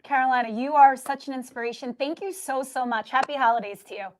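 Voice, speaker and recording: A woman co-hosts a morning television show. Her voice is pitched a little high. She speaks effusively, praising the guest and closing the interview. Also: fast. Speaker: co-host. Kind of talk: morning TV chat.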